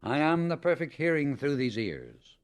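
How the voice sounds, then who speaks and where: A man's voice: on the high side, sing-song, normal speed. Man reading a spiritual audiobook, emphatic delivery. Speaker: audiobook narrator.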